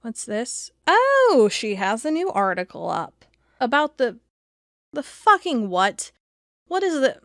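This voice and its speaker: Actress as obsessive female investigator, audio drama. Fairly high voice, suspicious, emphatic, talking to herself. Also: very animated, slow, no room sound, clean studio sound, heavily acted. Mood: startled. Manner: thinking aloud, emphatic, muttering to herself. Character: agitated, suspicious woman investigator, sharp-tongued and obsessive.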